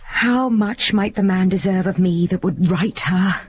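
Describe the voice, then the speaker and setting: A woman's voice: mid-range voice, unhurried, a little mellow, breathy edge. An actress playing a witty, fierce young noblewoman who delivers tart, clipped retorts in Shakespearean dialogue. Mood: sardonic. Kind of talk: Shakespearean verse acting.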